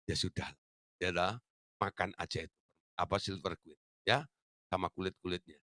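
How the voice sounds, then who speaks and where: A man voicing a fond, middle-aged father who gently coaxes his children. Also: fairly low pitch, lively intonation, moderate pace, dry recording, clean studio sound, pitched below the performer's own voice. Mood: coaxing.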